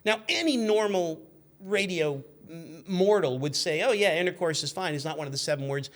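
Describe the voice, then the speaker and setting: Male radio-show guest, 50s, higher voice, animated and sweary casual storyteller who stumbles over his phrasing. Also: normal speed. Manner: animated, profane, stumbling as he tells stories.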